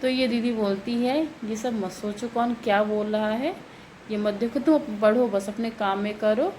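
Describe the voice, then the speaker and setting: A woman, her voice sitting a little high. She chats in a rambling way as she cooks and explains each step, recorded in a home kitchen with faint household noise behind her. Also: normal speed, a little mellow, low-quality recording. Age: 30s. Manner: chatty, rambling, explains steps while working. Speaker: vlogger. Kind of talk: casual home vlog while cooking.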